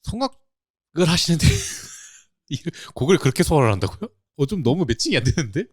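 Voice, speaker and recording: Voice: mid-range voice, huge pitch swings, moderate pace, breathy edge, no room sound, clean studio sound. A podcast co-host in casual chat, reacting with curiosity and laughing often.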